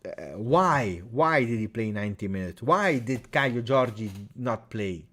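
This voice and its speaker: A man's voice: lively intonation, measured pace. Chatty Italian-accented man on a livestream. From Italy. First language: French. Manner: chatty, greets viewers by name, swings from loud cheers to low mumbles. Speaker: football fan livestream host. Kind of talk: live stream chat reading viewer comments.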